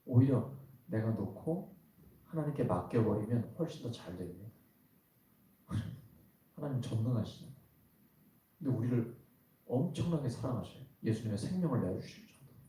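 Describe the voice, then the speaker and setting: Male pastor, dark mellow tone, chatty sermon full of rhetorical questions, recorded from a distance in a very reverberant church. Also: mid-range voice. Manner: conversational preaching with rhetorical questions to the congregation. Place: church worship hall. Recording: very echoey hall, voice from some distance.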